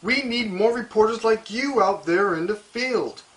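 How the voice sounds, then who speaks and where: A man's voice: high voice, a little slow, fairly bright tone, voice pushed up, poor audio. A man playing a polished, reasonable, unbothered TV anchor in a news broadcast parody.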